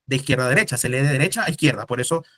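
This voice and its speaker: A man's voice: mid-range voice, lively intonation, very fast, bright, forceful tone, no echo, clean studio sound. A man teaching a Catholic formation class, explaining step by step and asking the students rhetorical questions. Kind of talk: casual classroom lecture.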